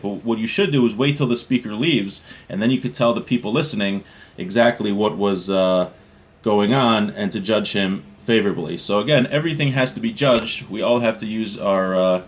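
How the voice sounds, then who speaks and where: Calm man explaining Jewish law. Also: on the low side. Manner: calm, explanatory, repeats points for clarity. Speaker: Torah teacher. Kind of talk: text study class, reading Hebrew then explaining in English.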